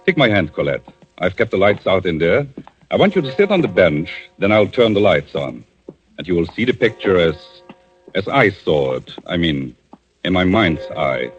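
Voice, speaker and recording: In a 1940s radio drama, a deep-voiced man plays a calm, vengeful avenger, delivering his lines in a measured, theatrical way with a gently guiding mood. Faint music sits behind him on the dull old broadcast recording.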